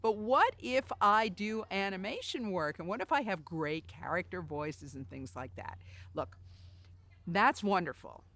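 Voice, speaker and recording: A woman's voice: medium pitch, animated, a little slow, fairly bright tone. A woman hosting a coaching video blog outdoors, chatty and addressing the viewer directly with questions. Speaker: host, voice-over coach. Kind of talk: video blog, talking to camera. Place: outdoors in a park.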